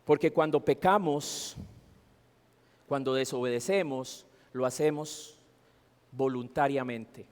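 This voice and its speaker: A man's voice: mid-range voice, slow pace, long pauses. A man preaching a sermon in a church, asking the congregation emphatic rhetorical questions. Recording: long hall reverb.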